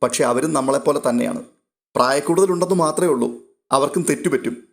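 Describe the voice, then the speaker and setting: A man reading a story aloud and voicing a caring young woman who gently coaxes a younger girl. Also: mid-range voice, brisk, vocal fry, natural voice. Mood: coaxing.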